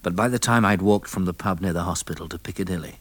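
An actor playing a level-headed, kindly man with an English accent in a 1960s radio drama, brisk, articulate and reassuring. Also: sits low, a bit bright, no echo. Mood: grave, narrating. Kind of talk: 1960s British radio drama acting and narration. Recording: old radio recording, faint noise.

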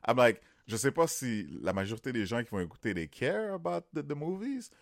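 A man's voice: mid-range voice, sing-song, a little fast, creaky, no room sound, clean studio sound. A man with a Quebec French accent co-hosting a podcast. He cuts in eagerly and mixes English phrases into his French. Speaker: podcast co-host. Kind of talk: casual chat.

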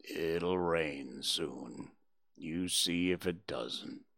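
A man voicing a gloomy, self-pitying old male donkey in a storybook reading, with a slow, mournful, breathy drawl. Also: low voice, fairly bright tone, no room sound, studio quality, pitched below the performer's own voice, exaggerated voice.

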